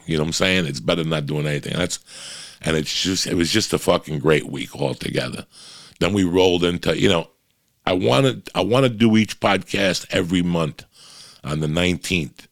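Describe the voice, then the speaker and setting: Male podcast host, New Jersey accent, low and gravelly, profane storyteller. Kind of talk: casual chat.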